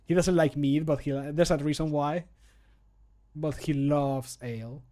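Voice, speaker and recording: This man's voice is on the high side, warm, unhurried, and fairly even in intonation. He's live-streaming from his home computer desk, recording voice lines for a game mod on a desk mic, and he chats through each retake while poking fun at his own performances.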